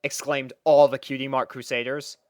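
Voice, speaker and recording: A woman narrating a scripted story in an expressive manner. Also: a bass voice, moderate pace, no room sound, shouting, studio quality.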